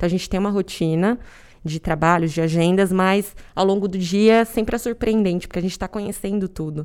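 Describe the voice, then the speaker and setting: In a plain, everyday voice, a woman speaks at a fairly quick pace with a medium pitch and fairly even intonation. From interior of São Paulo state, Brazil. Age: 20s. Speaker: corporate trainee. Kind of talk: casual interview chat.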